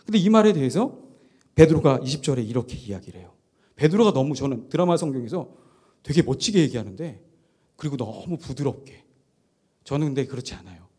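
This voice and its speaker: A man's voice: mid-range voice, lively intonation, a little fast, long pauses, breathy edge. A middle-aged male pastor preaching at a Friday prayer meeting in a chatty way, acting out quoted lines and asking the congregation questions. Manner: acts out quoted lines with shifts in loudness; chatty, laughs at himself.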